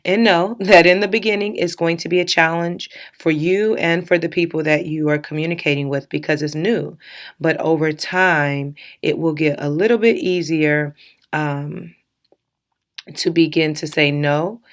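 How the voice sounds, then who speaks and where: A low-pitched woman in her thirties talks straight to her listeners on a self-help podcast. Her voice carries a slight morning rasp, and she speaks with candid, encouraging warmth, breaking into light laughs. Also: fairly even intonation, normal speed. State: slightly raspy from early morning. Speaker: podcast host.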